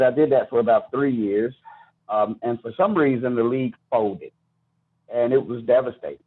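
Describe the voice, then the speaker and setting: American male, middle-aged, interview guest telling personal stories, slightly phone-like sound. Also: medium pitch. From Chicago, United States. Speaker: podcast guest, youth baseball coach and charity founder.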